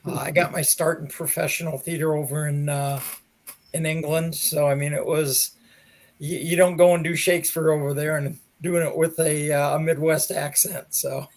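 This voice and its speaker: A mature man answering interview questions as a theater director, in a measured, conversational way with pauses to think. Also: fairly high pitch, flat delivery.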